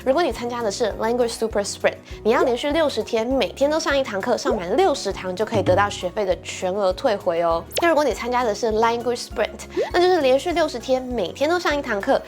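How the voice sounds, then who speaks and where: A woman's voice: on the high side, lively intonation, fast, hardly any pauses, soft background music. A woman from Taiwan giving a friendly, upbeat sponsored voice-over, walking viewers through signing up. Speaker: English-learning YouTuber.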